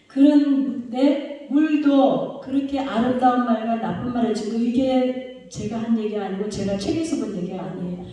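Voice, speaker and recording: A woman's voice: a little high, moderate pace, warm tone, distant mic. Woman pastor preaching in an echoey hall. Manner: asks the congregation rhetorical questions. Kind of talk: sermon.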